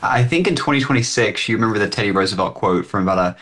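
A man's voice: lowish voice, expressive, racing, a bit bright, a little hiss or hum. An American man giving political commentary as a guest, assertive and emphatic. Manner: assertive, emphatic talking points.

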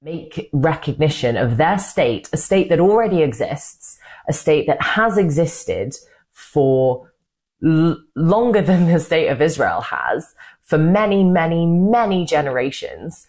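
A woman's voice: deep voice, sing-song, a little slow, a little mellow. A woman politician with a middle-class English accent making an impassioned, emphatic speech. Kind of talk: campaign speech.

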